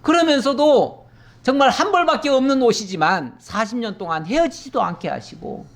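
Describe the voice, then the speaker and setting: 생동감 있게 설교하는 남자 목사. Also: male voice, very high-pitched, normal speed. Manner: conversational, animated retelling with tag questions. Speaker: pastor. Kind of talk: Bible teaching sermon.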